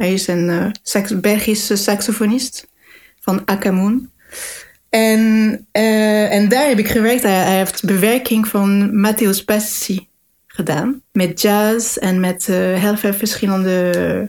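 In a very clean recording with a silent background, a woman with a French accent speaks at medium pitch and a very slow pace, her loudness very even and her intonation fairly even. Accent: French accent in Dutch. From southern France, Perpignan. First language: French (speaking Dutch). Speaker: classical pianist. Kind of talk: interview. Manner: halting, many fillers.

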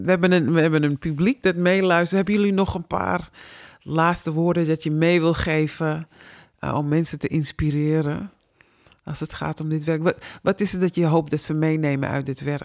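Very clean and with a silent background, this recording holds a woman's very deep, low voice. She speaks at a moderate pace with fairly even intonation. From Suriname. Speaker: podcast host. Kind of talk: interview conversation.

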